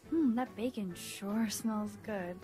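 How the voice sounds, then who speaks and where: A young woman playing a thoughtful teenage girl, dry and wry, musing quietly to herself in a mid-pitched voice. soft music hums under this game voice. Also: slow, lightly acted.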